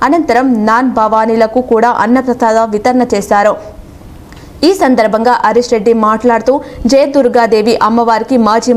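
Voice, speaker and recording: Woman reading local news, formal. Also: on the high side. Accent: Telugu. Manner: steady formal reading of names. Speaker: news reader. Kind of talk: scripted news narration.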